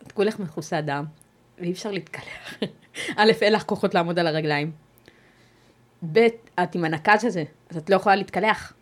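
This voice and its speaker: A fairly low-pitched woman, appearing as a guest on an interview podcast, describes a personal ordeal. Her telling is measured and halting, full of pauses and restarts.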